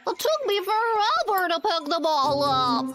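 An actor voicing a small, fretful cartoon forest animal, squeaky and plaintive. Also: very animated, a little slow, exaggerated voice. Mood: dismayed, urgent. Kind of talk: exaggerated cartoon dub acting. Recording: loud cartoon music behind.

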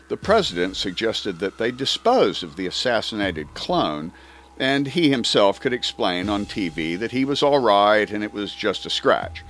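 A man's voice: deep voice, fairly bright tone. A man reading a spy story audiobook in a theatrical, emphatic first-person narration. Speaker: audiobook reader.

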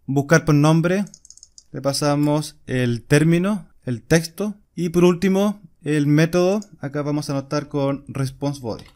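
A man's voice: fairly high pitch, measured pace, dark tone. A man, explaining a coding screencast step by step while he types. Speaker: programming instructor. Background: keyboard typing and clicks.

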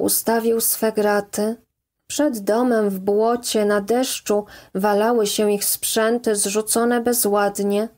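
A woman narrating an audiobook in a measured, calm reading. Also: a little high. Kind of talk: scripted narration.

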